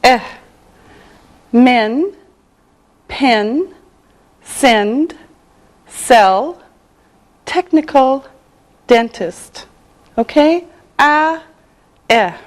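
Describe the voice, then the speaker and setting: A middle-aged woman from Canada teaching English in a scripted lesson, pronouncing every word slowly and carefully. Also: high-pitched, animated. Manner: slow, carefully enunciated.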